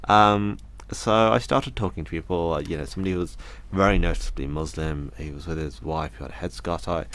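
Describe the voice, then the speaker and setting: A man's voice: sits low, quick pace, a bit bright. A man, an interview guest, thoughtfully recounting a personal experience in an earnest, detailed way. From Britain. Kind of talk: reflective personal account.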